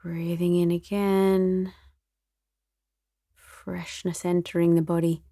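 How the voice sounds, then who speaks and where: Slow, low-voiced woman guiding meditation. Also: flat delivery, dry recording, clean studio sound. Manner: soothing, gentle, unhurried. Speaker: meditation teacher. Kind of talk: guided meditation.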